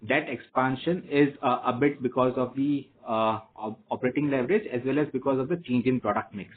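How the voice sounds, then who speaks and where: A man with an Indian accent, a company executive giving measured, formal answers to analysts on an earnings call. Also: medium pitch. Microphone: conference phone call. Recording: tinny phone line with noise.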